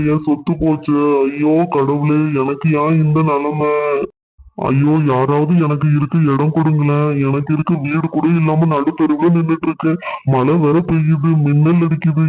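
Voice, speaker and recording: A man's voice: a little high, monotone, normal speed, close to an everyday voice. A man voicing a rich, proud jeweler in a Christian cartoon, wailing and pleading. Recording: dull lo-fi sound.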